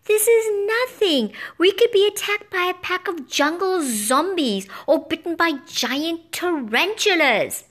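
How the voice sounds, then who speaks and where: A woman's voice: very high-pitched, expressive, a little slow, few pauses, fairly bright tone, pitched above the performer's own voice, heavily acted. A woman voicing a male bird guide who teases with chirpy, gloomy warnings. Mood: teasing. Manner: chirpy, mocking.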